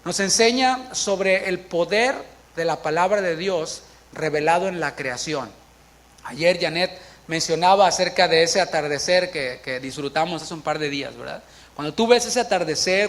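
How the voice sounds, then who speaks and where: A man's voice: high voice, moderate pace, a bit bright. A man preaching a sermon in a church in a conversational way, asking the congregation questions and acting out little scenes.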